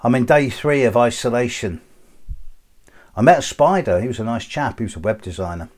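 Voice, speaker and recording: A man's voice: mid-range voice, animated, brisk, a little mellow. A middle-aged man, an astrologer, chatting casually to his viewers and telling jokes with relish. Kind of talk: casual chat to camera.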